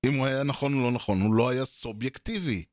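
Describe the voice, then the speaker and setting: A man's voice: mid-range voice, no room sound, clean studio sound. A man hosting a solo podcast, talking through his thoughts in a loose conversational way, with lots of fillers and restarts, and often acting out both sides of an argument. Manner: conversational, many fillers and restarts, acts out quoted exchanges. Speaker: podcast host.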